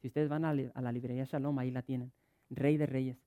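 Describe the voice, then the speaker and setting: A man's voice: medium pitch, little pitch movement, fast, mellow. A middle-aged man preaching a sermon, telling stories with many stuttered restarts. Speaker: pastor.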